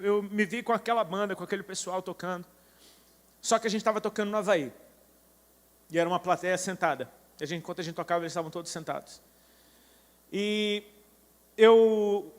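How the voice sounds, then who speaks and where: A man with a fairly high voice preaches, telling a personal story that rises into fervent proclamations. His words ring out with a long reverb tail. He sounds middle-aged. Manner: storytelling, building to fervent declarations. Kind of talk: sermon.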